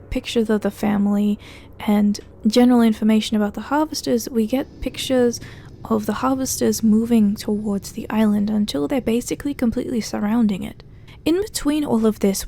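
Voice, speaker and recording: A woman with a fairly high voice and a very soft, mellow tone narrates a video essay. She talks conversationally, recapping and commenting as she goes, with a dry, sardonic edge. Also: gravelly. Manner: conversational, wry, sardonic asides. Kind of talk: casual narrated recap and commentary of a horror web series.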